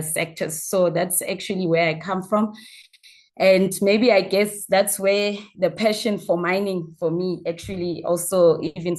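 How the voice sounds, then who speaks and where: Woman, South African accent, lowish voice, halting delivery, informal guest talk on a video call. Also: darkish tone. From Mpumalanga, South Africa. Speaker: guest speaker, mining entrepreneur. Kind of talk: informal self-introduction talk to an online session.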